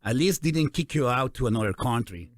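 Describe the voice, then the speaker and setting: A man's voice: mid-range voice, a little fast, no room sound, clean studio sound. Peruvian-accented man hosting an interview. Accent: Peruvian Spanish. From Peru. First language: Spanish. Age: 40s. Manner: animated, encouraging, philosophizing. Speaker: interview host. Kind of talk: casual interview.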